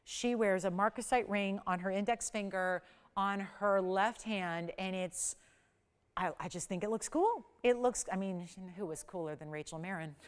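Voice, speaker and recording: Smooth-voiced woman pitching jewelry live. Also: moderate pace. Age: 40s. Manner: enthusiastic, emphatic, repeats selling points. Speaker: jewelry shopping host. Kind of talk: live TV shopping sales pitch.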